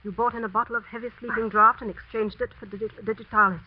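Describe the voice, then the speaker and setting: Icy cunning schoolteacher, high-pitched, accusing, lo-fi old broadcast. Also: female voice, fairly even intonation, fast, husky, no echo. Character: cool, cunning woman who poisons. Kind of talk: 1940s radio acting. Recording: muffled 1940s radio broadcast.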